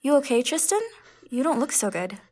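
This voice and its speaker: A no-nonsense young heroine in an audio comedy , acted by a woman. She is practical and wry, with a fairly high voice that moves about in lively swings. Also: brisk. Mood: concerned. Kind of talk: audio fiction comedy acting.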